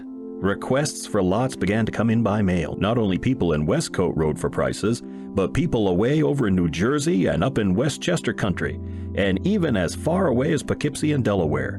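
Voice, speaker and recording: Man, low voice, animated storytelling, scripted audiobook narration, wry first-person delivery, dry close sound. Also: dry recording. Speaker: audiobook reader.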